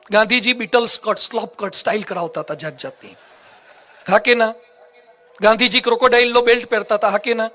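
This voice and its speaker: A monk giving a religious discourse to a live audience, playful and teasing, quizzing the children. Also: male voice, very high-pitched, pushed and bright. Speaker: monk preacher. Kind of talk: humorous Gujarati religious discourse. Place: assembly hall with a live audience.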